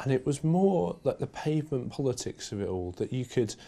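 A man speaks in a dark, mellow tone with a southern English accent. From southern England, Surrey. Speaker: parliamentary candidate; candidate. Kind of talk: political interview. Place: studio.

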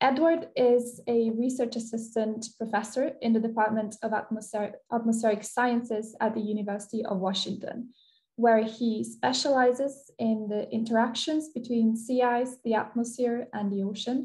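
A woman talks at a moderate pace with fairly even intonation and hardly any pauses, over a quiet background. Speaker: webinar moderator. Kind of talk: formal speaker introduction. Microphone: webcam.

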